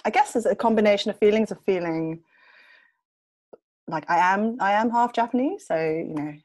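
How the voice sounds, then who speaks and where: A young woman from England talking as a podcast guest in a relaxed interview, hesitating with ums and restarts and laughing often. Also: medium pitch, moderate pace.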